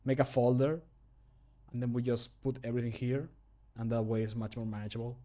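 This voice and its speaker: A man's voice: mid-range voice, little pitch movement, a little fast, warm tone. A man, around his thirties, chatting casually on a livestream while he works, self-deprecating and often muttering to himself. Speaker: game modder recording his own voice lines, streamer. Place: indoor room at a computer desk.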